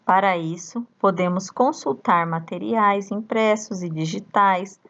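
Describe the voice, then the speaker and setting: A woman teacher with a Brazilian accent, slowly reading a workbook lesson aloud to young children and chanting the syllables. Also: mid-range voice, a bit bright, dull audio. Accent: Brazilian Portuguese. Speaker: primary school teacher.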